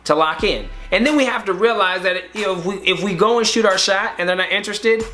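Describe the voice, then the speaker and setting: Bright-voiced young man giving dating advice. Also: sits high, fast talker, soft background music. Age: young adult. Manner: relaxed, repeats and restarts words, acts out sample dialogue. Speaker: podcast co-host. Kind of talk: casual advice chat.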